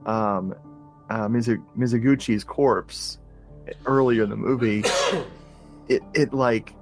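A man chatting on a podcast, enthusiastic and rambling, often stopping to restart a sentence. His voice sits at an everyday middle pitch, with faint music behind him. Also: fairly even intonation, takes it slowly. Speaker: podcast co-host. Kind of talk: casual chat about horror movies.

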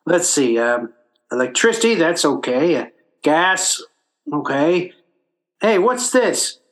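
A man's voice: a little high, big pitch swings, slow. A man as blustering sitcom dad, wildly swooping delivery. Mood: muttering, preoccupied. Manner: blustery, stammering, folksy ungrammatical talk. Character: blustering, hapless working-class family father in radio comedy. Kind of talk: old-time radio sitcom acting.

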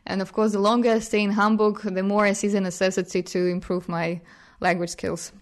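A woman whose first languages are Ukrainian and Russian, giving thoughtful, hesitant interview answers with fillers and soft laughs. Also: medium pitch, level tone, fairly quick. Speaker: guest.

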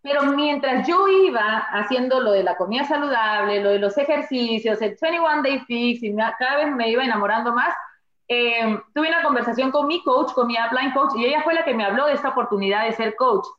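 A woman's voice: fairly high pitch, expressive, fairly quick. Cheerful Peruvian woman on a dull, roomy line. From Peru. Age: older. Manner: cheerful, warm, joking. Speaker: guest coach. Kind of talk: interview answers.

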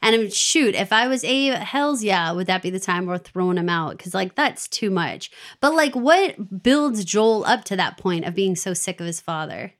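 Woman, podcast co-host, casual chat, animated, laughs often. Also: medium pitch, normal speed, few pauses. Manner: animated, laughs often, quotes characters in voices.

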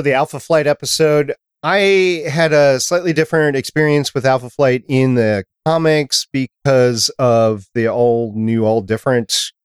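A man hosting a podcast in casual chat, steering the talk and quickly adding facts. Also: mid-range voice, clear, resonant tone, no room sound, studio quality. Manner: leads the talk, quick and factual. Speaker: podcast host.

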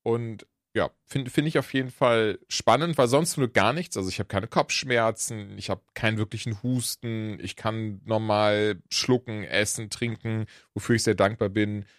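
A man with a cold and a hoarse voice, co-hosting a podcast in casual, rambling chat. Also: lowish voice, moderate pace, hardly any pauses, no room sound, studio quality. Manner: chatty, rambling, trailing off. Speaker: podcast co-host.

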